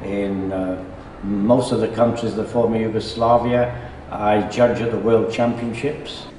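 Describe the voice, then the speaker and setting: 60s man, chief judge, polite and formal, low voice, roomy hall. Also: level tone, a little slow, dark tone, a little hiss or hum. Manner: courteous, formal greeting. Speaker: chief adjudicator. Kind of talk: casual interview answers. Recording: echoey hall, mic at a distance.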